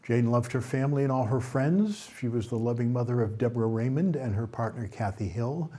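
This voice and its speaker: With a brisk, mid-range voice, a man works through a local news roundup. His reading is steady, punctuated by the occasional slip and self-correction.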